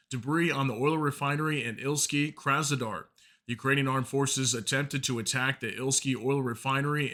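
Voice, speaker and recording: Bright-voiced man hosting a news briefing. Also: medium pitch. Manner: informal, addresses viewers as guys, apologizes for stumbles. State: slightly hoarse from a sore throat. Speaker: news channel host. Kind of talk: casual war news briefing.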